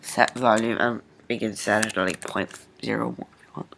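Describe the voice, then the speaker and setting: A man hosting a casual coding screencast, thinking aloud informally and haltingly as he works at his computer. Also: lowish voice, fairly even intonation, vocal fry, background noise. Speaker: programming tutorial host. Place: indoors at a computer, screen recording.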